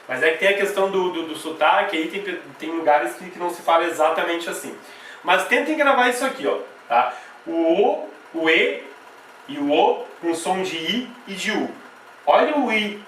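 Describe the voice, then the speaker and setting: A Brazilian man with a Brazilian Portuguese accent teaching a grammar lesson at a whiteboard, repeating words slowly to point out their sounds and checking in with "tá?" and "né?". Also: sits high, fairly bright tone, slight background noise. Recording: echoey room, voice from a distance.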